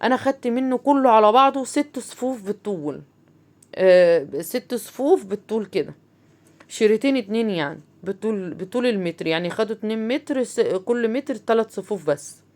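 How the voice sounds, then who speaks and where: A fast-talking woman with an Egyptian accent walks viewers through a homemade craft. She keeps up a friendly, chatty stream of talk, full of fillers and direct asides to her audience. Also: a little high, expressive, a little mellow. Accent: Egyptian Arabic. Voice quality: chatty, talks straight to viewers, many fillers. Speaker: crafts channel host. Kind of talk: casual craft tutorial.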